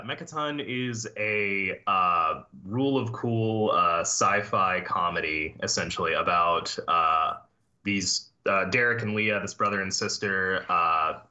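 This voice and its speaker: A man with a very low voice and a sharp, forceful tone. He is a comic book writer, a guest on a podcast. He talks in a halting way, full of fillers and restarts. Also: highs cut off. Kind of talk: casual podcast interview.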